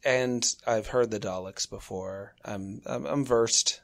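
A man co-hosting a comedy podcast, answering with wry, deadpan remarks. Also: fairly low pitch, takes it slowly, vocal fry. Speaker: podcast co-host. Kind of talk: comedic banter.

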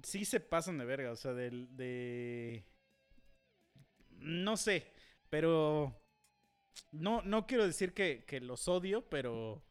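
A man's voice: a little high, lively intonation, slow, pauses often, clean tone, faint music behind. A young Mexican man with a Mexican accent, rambling crudely and swearing in casual chat as a podcast co-host. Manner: crude, profane, rambling storyteller.

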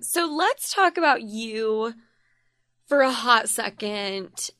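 A woman's voice: a little high, pushed and bright, no echo, studio quality. A woman in her twenties hosting a casual podcast, giggly and playful, swearing casually. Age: 20s. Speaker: podcast host.

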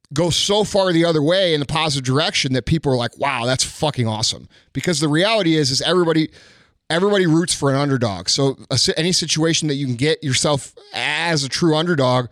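A man's voice: on the high side, fairly bright tone, no echo, clean studio sound. A man giving casual motivational business advice as a podcast host, blunt and sweary.

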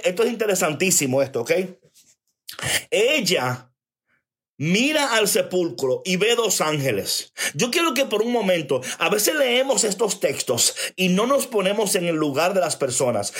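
A man preaching a sermon, emphatic, repeating phrases for stress and turning to his listeners with quick "okay?" check-ins. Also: high voice, a bit bright, breathy edge. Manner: addresses listeners directly, checks in with "ok?".

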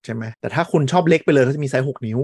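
A man's voice: medium pitch, rapid-fire, vocal fry, darkish tone, slightly rough, no room sound, clean studio sound. A man co-hosting a tech podcast, chatting casually and bluntly with slangy banter. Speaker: podcast co-host.

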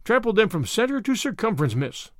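A furious, stout middle-aged farmer blusters and splutters, his voice leaping high and swinging wildly, as a male narrator puts him on. The sound is close and dry, with no room around it. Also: very animated, quick pace, a bit bright, no room sound.

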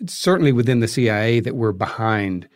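A man's voice: medium pitch, expressive, brisk, no echo, studio quality. An American man talking thoughtfully in an interview, explaining his ideas at length. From United States. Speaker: filmmaker, podcast guest.

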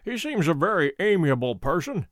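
A man voicing a calm, imperturbable detective who speaks with dry wit. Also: a little high, normal speed, no room sound. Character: cool, witty adult male detective, calm and bland.

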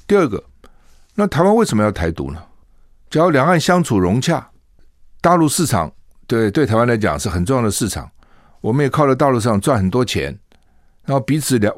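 An older man with a Taiwanese Mandarin accent, hosting a political commentary talk show, animated and full of rhetorical questions. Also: lowish voice, no room sound, clean studio sound. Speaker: radio talk show host.

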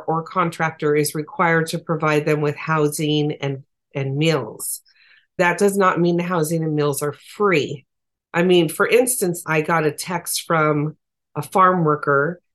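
A woman advocate for farm workers, speaking as an interview guest in an earnest, emphatic, plain-spoken way. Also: low-pitched.

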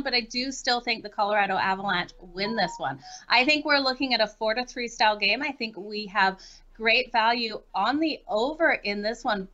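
A woman from Canada, a guest picking hockey bets, talking in a quick, upbeat and confident way over a remote line. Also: on the high side, pushed and bright, highs cut off. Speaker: sports betting guest. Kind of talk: casual interview.

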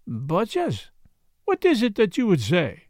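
A man's voice: high-pitched, wildly swooping pitch, unhurried, darkish tone, no room sound, clean studio sound, full character voice. A man voicing an eccentric, vain but kindly older detective with a French accent, speaking in formal, courteous, emphatic phrases for an audiobook. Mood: excited, eager.

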